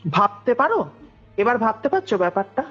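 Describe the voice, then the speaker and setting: Briskly and with a breathy edge to her fairly high voice, a guest tells a ghost story, acting out the dialogue in an animated, conversational style. The recording is a dull lo-fi call with music behind.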